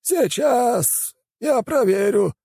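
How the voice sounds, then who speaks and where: Old shaman elder: high, gravelly, husky, dismissive, drawls his words. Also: lively intonation, mellow, dry recording, heavily acted. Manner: drawn-out, strained high voice. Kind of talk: audiobook character voice.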